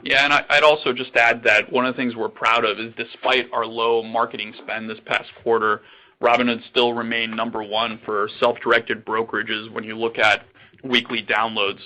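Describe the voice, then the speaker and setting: A man's voice: mid-range voice, flat delivery, moderate pace, sharp tone, poor audio. A man speaking as a company executive on an earnings call, confident and promotional. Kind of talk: answering questions on an earnings call.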